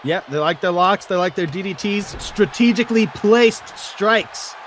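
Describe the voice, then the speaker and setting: A man doing live wrestling play-by-play commentary in an excitable, dramatic manner. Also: sits high, a little slow, a little hiss or hum.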